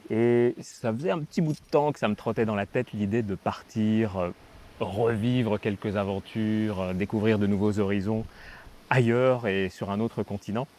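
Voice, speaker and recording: A man's voice: lowish voice, normal speed, darkish tone. A man with an accent from France, telling personal stories in a casual, conversational way as a vlogger. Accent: French from France. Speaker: vlogger telling a life story with partner. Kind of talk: casual storytelling chat.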